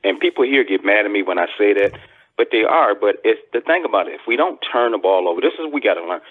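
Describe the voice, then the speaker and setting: A man comes through a narrow, tinny phone line as a call-in guest, his voice low and a bit husky. He rambles in a relaxed way, circling back and repeating words, and his pitch swings up and down a lot as he talks. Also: quick pace. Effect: over the phone. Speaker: caller. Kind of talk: casual call-in talk.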